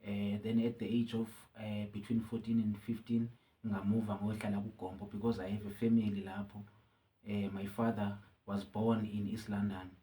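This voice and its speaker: A man with a South African accent, a musician being interviewed, talking casually with frequent pauses and restarts. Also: lowish voice, rough recording. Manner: relaxed, halting with many restarts. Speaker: musician guest. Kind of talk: casual interview, code-switching.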